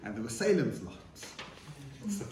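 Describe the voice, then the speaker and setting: A man in his forties from Zimbabwe, speaking as an author on a festival panel, relaxed and reflective. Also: mid-range voice, slow pace. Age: 40s. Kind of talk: panel talk at a book festival. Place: event hall. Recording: echoey hall, distant mic, noisy.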